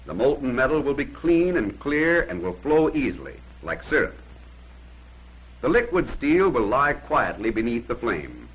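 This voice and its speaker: A man's voice: mid-range voice, sing-song, unhurried, fairly bright tone, husky, poor audio. A man narrating a 1950s instructional film in an emphatic, plain-spoken way, giving short commands on an old film soundtrack.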